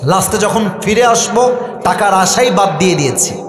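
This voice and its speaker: A Bangladeshi male preacher tells a story in a high voice that rings with long reverb. His delivery is dramatic, slipping into dialogue and the odd English phrase, as in a sermon. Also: expressive, moderate pace. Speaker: Islamic preacher. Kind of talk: sermon-style anecdote telling. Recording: echoey hall with long reverb.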